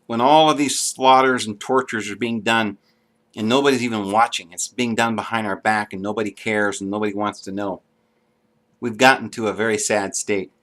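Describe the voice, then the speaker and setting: A man's voice: on the low side, fairly bright tone. A man giving an unscripted, earnest monologue to camera, with frequent ums and restarts. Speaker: video blogger.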